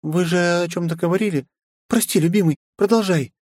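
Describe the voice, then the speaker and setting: A man's voice: a little fast, darkish tone, dry recording, studio quality. A man doing a bubbly, bossy young wife. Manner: high, gushing and bossy. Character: bubbly, pushy young woman, vampire wife.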